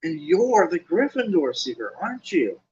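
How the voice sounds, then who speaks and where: A man's voice: sits high, very animated, moderate pace, far from the mic, pitched above the performer's own voice. A man voicing an eager young boy fan who asks breathless, gushing questions in a piping voice. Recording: dull lo-fi recording.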